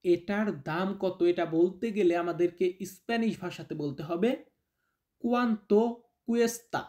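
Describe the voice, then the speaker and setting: A man from Bangladesh, a native Bengali speaker, teaches beginners at an unhurried, drawn-out pace. He says each phrase twice and then breaks it down word by word. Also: sits high, warm tone. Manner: repeats each phrase slowly, then explains it. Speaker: language teacher. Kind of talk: slow spoken language lesson.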